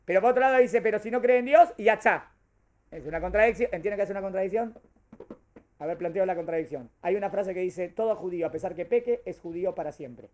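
Man, high voice; teacher quizzing his students, lively and rhetorical. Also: fast. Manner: questioning and animated, answers his own questions. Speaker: rabbi teaching a class. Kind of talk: Torah class to a group.

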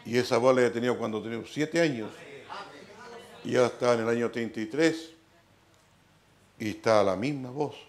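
A man's voice: medium pitch, normal speed, long pauses. A Chilean pastor, a man, preaching a sermon in an emphatic style, dropping in frequent amens. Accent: Chilean Spanish.

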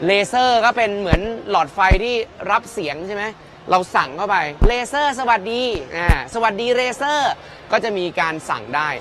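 A man in his forties hosting a live walkaround at an indoor exhibition, lively and joking, exclaiming as he goes. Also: high-pitched, unhurried, a little hiss or hum. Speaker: tech show host touring an expo. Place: busy indoor exhibition hall. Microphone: handheld mic, filmed by a roaming camera.

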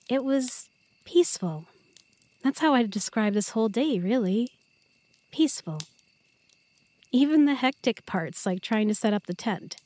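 A woman's voice: fairly high pitch, a little mellow, dry recording. A woman playing an affectionate, earnest young girlfriend in an intimate, chatty roleplay audio drama. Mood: cheerful, content. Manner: tender, chatty, playful.

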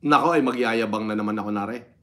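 A middle-aged man with a Filipino accent chatting casually on a livestream, greeting viewers in a drawn-out way with many pauses and interjections. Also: lowish voice, a bit bright. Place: indoor room with framed painting. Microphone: phone propped at arm's length.

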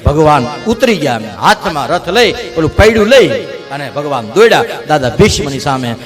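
A man's voice: on the high side, very animated, normal speed, music in the background. A man giving a devotional katha sermon, telling the story dramatically and acting out the quotes. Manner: dramatic storytelling with acted quotes and brief sung lines.

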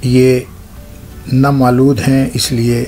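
A man hosting a gardening channel, explaining plant care in short, halting phrases while showing things by hand. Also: medium pitch, little pitch movement, warm tone, faint music behind. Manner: shows things hands-on while talking.

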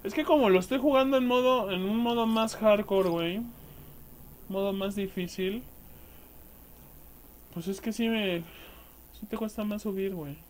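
There's a little hiss or hum behind this high-pitched male streamer, who talks at normal speed but pauses often. With a Mexican accent, he gives crude, slangy let's-play commentary and swears at the enemies he faces.

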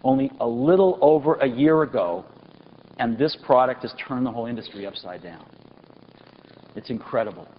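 A man in his forties giving an enthusiastic product launch keynote on a large auditorium stage, pausing for effect and stressing key words. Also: mid-range voice, lively intonation. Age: 40s. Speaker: company executive presenting a product keynote. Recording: dull lo-fi 1999 event recording with faint hiss.

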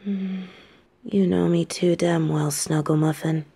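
A woman acting the part of a hot-tempered, sarcastic mafia boss with a soft side in an audio roleplay. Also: lowish voice, fairly even intonation, slow pace, gravelly, slightly rough, exaggerated voice. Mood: flustered, tender. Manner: dry, threatening, sarcastic, dramatic sighs.

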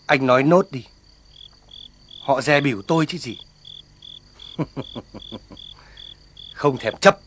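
A man's voice: mid-range voice, slow pace, long pauses, a bit bright, a little hiss or hum. An actor playing a smug, scheming older village man who speaks with contempt in a TV drama. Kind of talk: TV drama acting.

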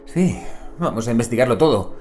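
A man's voice: mid-range voice, animated, a little fast, a little mellow, soft background music, close to an everyday voice. Man acting anguished investigator, swinging intonation. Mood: agitated, sardonic. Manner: theatrical, brooding, swinging between outburst and muttering. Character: anguished male investigator dreading cosmic horror, loyal to friend. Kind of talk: audio drama monologue.

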